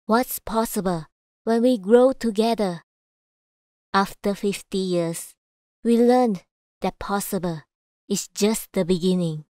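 A woman reading scripted voice-over in a measured, clearly enunciated way. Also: medium pitch, mellow, no echo, studio quality. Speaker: voice actor. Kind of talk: voice-over demo reading of commercials, narration and announcements.

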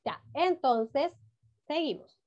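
A woman's voice: high-pitched, sing-song. A woman teaching a first-grade reading class over a video call, praising often and drawing words out. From Chile. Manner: warm encouraging praise, drawn-out words, frequent "muy bien". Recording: dull lo-fi video call audio.

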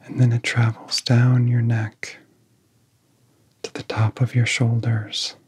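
A man guiding a relaxation in soft-spoken ASMR style, with a soft, whispery voice and gentle, soothing phrasing broken by long pauses. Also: mid-range voice, completely flat delivery, slight background noise. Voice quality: soft, breathy, often whispery. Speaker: ASMR hypnosis guide.

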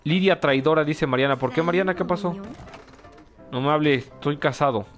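Young man, Mexican accent, casual game commentary, jokey, fairly high voice. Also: normal speed, soft background music. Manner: joking, reads chat aloud, laughs often. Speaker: gameplay streamer. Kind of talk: casual live gameplay commentary.

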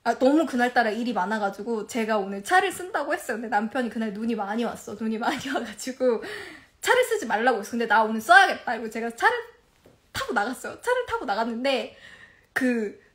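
Young woman, high lively voice, laughing storyteller, phone live stream. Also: fairly quick. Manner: animated, laughing often, acts out quarrels. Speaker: livestreamer.

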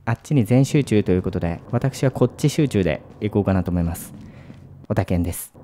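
A man's voice: on the low side, lively intonation, fairly quick, warm tone, a little hiss or hum. A man hosting a gaming video, commentating on a horror game in speech, shifting between muttering and jumpy outbursts.

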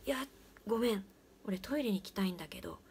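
A woman voicing a frightened schoolboy who pleads in a hushed whisper. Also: mid-range voice, big pitch swings, fast, a little hiss or hum, close to an everyday voice. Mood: pleading.

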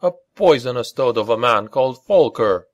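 A man's voice: mid-range voice, expressive, normal speed, no echo, voice pushed up, lightly acted. A man voicing a smug, scornful and sceptical man in an audiobook. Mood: bitter. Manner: smug, dismissive, pointed.

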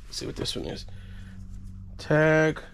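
He speaks unhurriedly, with a little hiss or hum on the recording, as he goes through boxes in a storage unit. The man, in his thirties, gives casual unboxing commentary and excitedly exclaims over each find.

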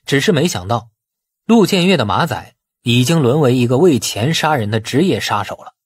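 A man reading a novel as dramatic scripted narration, in a husky voice. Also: mid-range voice, very animated, moderate pace, no room sound, clean studio sound. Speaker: audiobook narrator.

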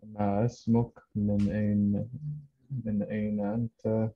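A young man speaks as a beginner learner. His voice is fairly deep and comes through a thin, phone-like call connection. He answers in short, halting, hesitant phrases. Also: monotone, soft background music. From Somalia. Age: 20s. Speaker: beginner Arabic student. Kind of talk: halting answers in a language lesson. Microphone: remote video call.

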